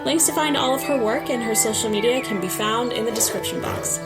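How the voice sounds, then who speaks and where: A woman's voice: on the high side, brisk. A woman podcast cast member reading a scripted promotional spotlight. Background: loud music.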